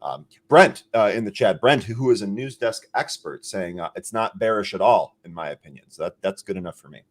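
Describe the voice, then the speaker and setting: A man's voice: lowish voice, fairly quick. A man co-hosting a live trading show, talking candidly and loosely about filings and chat comments. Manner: relaxed, candid, with many fillers. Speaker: stock trading show co-host. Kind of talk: casual chat.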